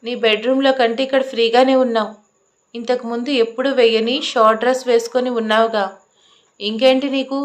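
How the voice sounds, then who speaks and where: A woman reads a stubborn, arrogant young man in a storybook romance, clipped and commanding, giving orders and refusing to bend. The voice stays fairly high for a man and keeps his bossy manner throughout. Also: fairly even intonation, a little fast, close to an everyday voice. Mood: stern, bossy. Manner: curt and commanding.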